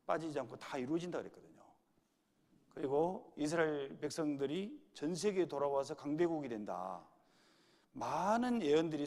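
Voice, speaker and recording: A male pastor preaches in a church hall with a gravelly, raspy edge and a slightly high voice. He keeps quizzing the congregation with right-or-wrong questions. His voice rings out with a long reverb around it. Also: darkish tone. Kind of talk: revival sermon to a congregation.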